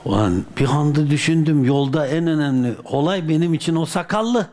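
A man from Turkey, a dervish, telling a personal anecdote in a colloquial, lively way with folk sayings. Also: on the high side, fairly quick. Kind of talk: casual spoken anecdote.

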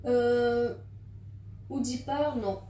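Slow, halting young woman, echoey. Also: fairly high pitch, fairly even intonation, warm tone. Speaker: interviewee, migrant. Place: office. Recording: echoey, distant, noisy.

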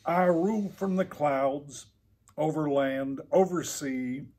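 Storybook turtle king a male reader: tyrannical, boastful, bellowing, slow and grandiose, slightly husky. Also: a little high, a little mellow. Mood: indignant, bellowing.

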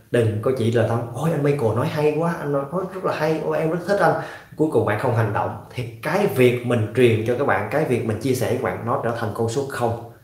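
Fast-talking Southern Vietnamese man, echoey room. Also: medium pitch. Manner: emphatic, repeats phrases for stress. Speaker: English-learning coach. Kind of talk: motivational talk to viewers.

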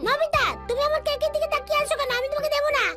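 A woman's voice: very high-pitched, steady tone, rapid-fire. A woman voicing a fussy, helpful male robot cat in a dubbed cartoon, chatty and bossy. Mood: stern. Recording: loud cartoon music underneath.

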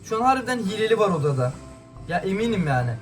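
High-voiced man ranting over a game. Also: sing-song, fast, faint music behind. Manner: irritated, ranting, hurling insults; talks straight to viewers. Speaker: gaming YouTuber. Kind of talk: gameplay commentary to viewers.

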